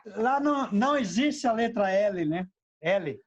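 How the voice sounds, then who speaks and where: Over a muffled, dead-sounding video call, a middle-aged man with a Brazilian Portuguese accent and a fairly high voice chats as a former footballer being interviewed. He stumbles and repeats words as he goes, and tags his remarks with "né?". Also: animated, unhurried, no echo. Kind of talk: casual interview chat. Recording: dull, dry lo-fi sound.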